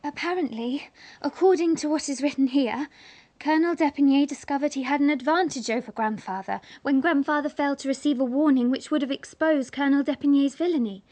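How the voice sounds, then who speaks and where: A woman's voice: sits high, a little mellow, lightly acted. A woman playing an earnest young daughter. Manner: earnest, measured. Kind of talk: radio drama acting.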